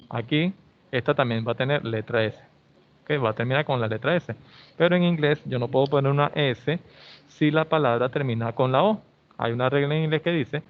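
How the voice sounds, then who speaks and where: A male English teacher, explaining grammar in an online class and often checking in with "ok?". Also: mid-range voice. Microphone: video call. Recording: slightly dull video-call audio.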